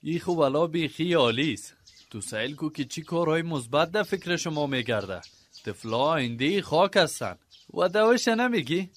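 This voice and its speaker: An actor playing an enthusiastic, encouraging village organiser in a radio drama, eager and full of praise, with an Afghan accent. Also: male voice, fairly high pitch, animated, slight background noise, lightly acted.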